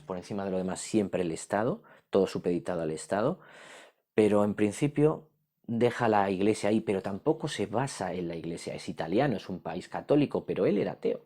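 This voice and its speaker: A middle-aged history teacher gives a casual lesson, posing questions to himself and checking in with "¿vale?" again and again. His voice sits on the low side with a dark tone.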